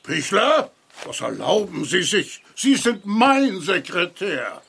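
An actor playing a pompous, blustering town mayor, quick to take offence, in a children's radio play. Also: male voice, high-pitched, big pitch swings, vocal fry, fairly bright tone, husky, exaggerated voice. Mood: indignant, scornful.

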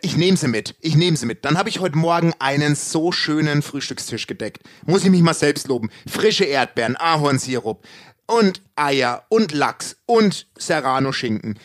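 Animated, fairly high-voiced man telling a story. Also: moderate pace, no echo, studio quality. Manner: animated, crude, self-mocking storyteller. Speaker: podcast co-host. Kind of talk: casual chat, telling an anecdote.

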